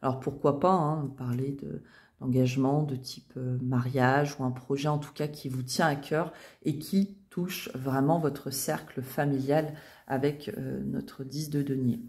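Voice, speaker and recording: A woman's voice: rumbling low, fairly even intonation, unhurried, a little mellow. A woman giving a chatty tarot reading, with many fillers and restarts. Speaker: tarot reader. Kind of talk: casual tarot reading video.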